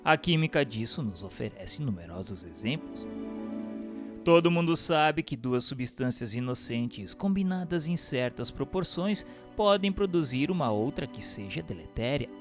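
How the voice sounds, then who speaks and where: A Brazilian man delivers scripted narration in a formal, instructive manner. His middle-register voice moves through wide, lively intonation while instrumental music plays behind him. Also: mid-range voice. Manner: formal, measured, didactic. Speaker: narrator reading a religious treatise. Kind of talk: scripted audiobook narration for radio.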